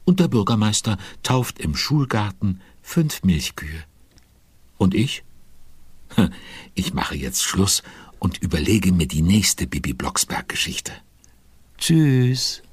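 An actor playing a chatty, playful storyteller in a children's audio play, with a raspy, breathy voice. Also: male voice, sits low, dry recording, heavily acted. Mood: playful, signing off. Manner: animated, playful, unhurried. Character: chatty male storyteller of a children's witch series.

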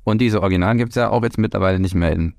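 A wry man with a Hessian accent, co-hosting a relaxed podcast chat. His voice sits fairly low, and he breaks his sentences up with fillers. The recording is dry and close. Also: very fast, creaky, no room sound. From Franconia. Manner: wry, talks in stops and starts. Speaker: podcast co-host. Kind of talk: casual chat. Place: home party room.

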